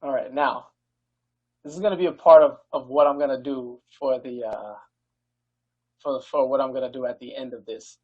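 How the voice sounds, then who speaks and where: A man's voice: mid-range voice, steady tone, normal speed, pauses often, husky, phone-quality sound. A man casting a fighting game tournament, loose and joking with sudden bursts of hype. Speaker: esports commentator.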